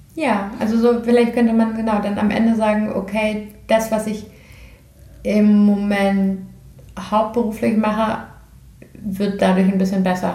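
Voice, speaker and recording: Someone speaks at a fairly slow pace with long, frequent pauses, in a somewhat breathy voice with a dark, mellow tone and monotone, flat intonation, and audible room echo around them. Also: woman, fairly high pitch for a woman. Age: 40s. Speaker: podcast co-host. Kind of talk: casual chat.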